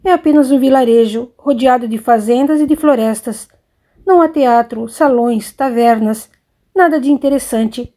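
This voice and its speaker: A sulky, restless young son in an audiobook, voiced by a woman reader, giving curt, defensive answers in a somewhat high, warm voice. He sounds bored and on edge. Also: moderate pace, lightly acted. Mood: weary.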